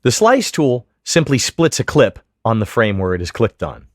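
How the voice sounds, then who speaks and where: A man giving scripted, methodical step-by-step instruction as a software tutorial narrator. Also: mid-range voice, wildly swooping pitch, normal speed, dry recording, clean studio sound. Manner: clear, methodical, step-by-step explanation. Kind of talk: scripted instructional narration over screen demo.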